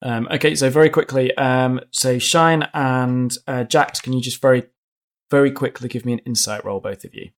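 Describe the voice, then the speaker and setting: A man's voice: mid-range voice, steady tone, moderate pace. A man narrating a tabletop role-playing game as game master, in conversational style.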